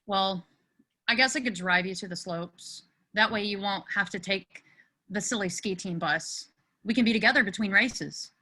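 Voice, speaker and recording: A woman's voice: medium pitch, moderate pace, bright, forceful tone. A woman playing an earnest, lovelorn teenage boy in a comic screenplay table read. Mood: awkward.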